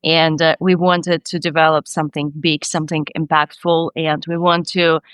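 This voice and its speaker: A woman's voice: deep voice, flat delivery, normal speed, clean tone, no echo, clean studio sound. A Ukrainian woman with a Ukrainian accent, a startup CEO being interviewed on a podcast, talking earnestly and dreamily with frequent restarts. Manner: earnest, dreamy, many restarts, light non-native grammar.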